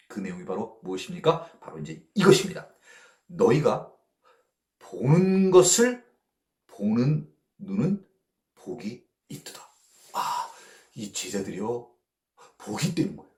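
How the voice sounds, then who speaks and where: A male pastor teaches a Bible study in a relaxed, conversational way. He often checks in with his listeners through short tag questions and chuckles lightly between points. His pitch swings widely, and the recording carries a noticeable room echo.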